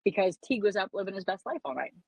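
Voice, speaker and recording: A woman's voice: mid-range voice, very animated, very fast, gravelly, slightly rough, no echo, poor audio. A woman in her forties, a mother of six, chatting casually and rambling with frequent laughs. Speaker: parent. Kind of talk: casual chat.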